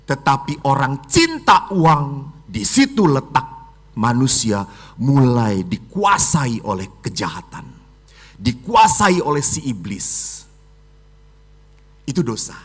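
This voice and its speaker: A middle-aged man, a Catholic priest, giving a lively homily, dramatic and joking, dropping from loud exclamations to hushed whispers. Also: medium pitch, slow, breathy edge.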